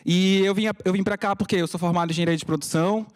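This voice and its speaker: Higher-pitched young man with a Paraense accent. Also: fairly even intonation, very fast, clear, resonant tone. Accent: Paraense Brazilian. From Pará, Brazil. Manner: frank, conversational, frequent tag questions. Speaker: content creator and community leader speaking at a conference. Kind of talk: informal unscripted public talk.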